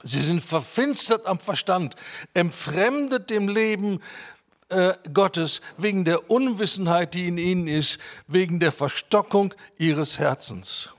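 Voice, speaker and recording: A man preaching a sermon, emphatic, repeating key words and reading scripture slowly. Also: high-pitched, a bit bright.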